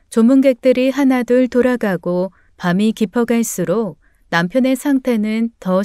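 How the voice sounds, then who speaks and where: Smooth mellow woman narrating a story. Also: a little high, no room sound, clean studio sound. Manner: emotional, dramatic storytelling. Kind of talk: scripted first-person story narration.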